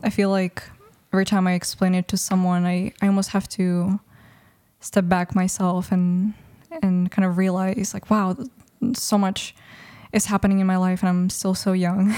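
A twenty-year-old woman, raised in Mexico with Russian as her first language, speaks thoughtfully as a guest in a casual interview, restarting often. Her mid-range voice is mellow and level at a measured pace, and the recording is dry.

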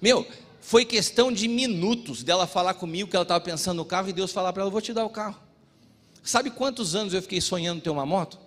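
A middle-aged Brazilian pastor preaching a sermon with personal stories, shifting between loud exhortation and quiet storytelling. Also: male voice, sits high, fast. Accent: Brazilian Portuguese. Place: church. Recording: reverberant church hall with music.

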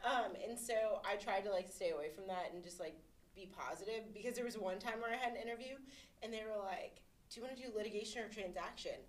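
A fast-talking woman in her twenties with a mid-range voice co-hosts a podcast while studying law. She chats casually, telling stories candidly and sarcastically.

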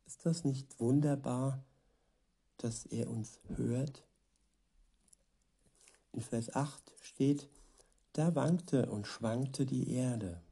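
A man reading Bible verses aloud and reflecting on them as a preacher, in a measured devotional manner, repeating passages for emphasis. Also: medium pitch, mellow, breathy edge.

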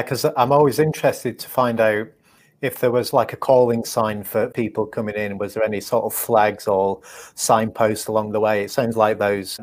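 A man hosting a podcast, asking his guest easygoing, tentative questions. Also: fairly low pitch. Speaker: podcast host. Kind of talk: interview hosting.

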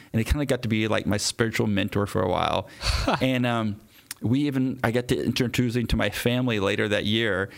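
A police officer telling an earnest personal story in an interview, acting out his own quotes with animated shifts. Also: lowish voice, creaky.

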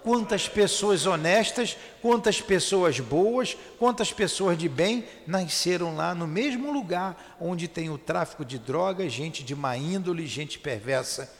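A man explains a doctrine in an emphatic, didactic way, asking questions and answering them himself. His voice sits high for a man and swings widely in pitch. The sound has a long reverb, as if recorded in a hall. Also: lively intonation, measured pace, hardly any pauses. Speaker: spiritist teacher. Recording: reverberant room.

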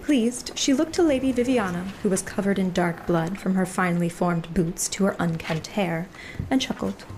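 A woman's voice: mid-range voice, moderate pace, darkish tone, a little hiss or hum, poor audio. A woman narrating a fantasy adventure as game master, in literary storytelling style.

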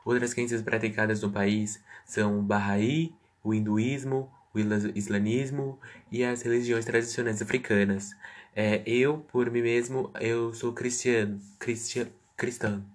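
A man's voice: mid-range voice, fairly even intonation, a little slow. Man, interview guest, prepared answers, stumbling restarts, medium voice.

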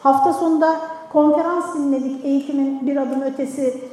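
High-voiced older woman preaching in echoey hall. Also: fairly even intonation, fairly quick, dark tone. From Turkey. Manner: emphatic, repeats key words, rhetorical questions. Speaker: retired preacher. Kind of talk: sermon talk to a women's group. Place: large mosque hall.

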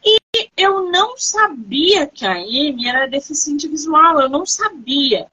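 A woman, an author hosting a live-stream interview, animated and reassuring as she asks questions and tells stories. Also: high voice, measured pace, lo-fi sound.

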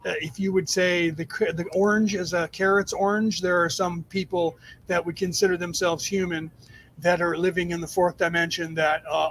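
Man, high voice, spiritual teacher, emphatic explainer, stop-and-start delivery, informal livestream lecture, noisy rumbling recording. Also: fairly bright tone. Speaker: spiritual teacher answering audience questions on a livestream. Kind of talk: extemporaneous spiritual lecture to a live chat.

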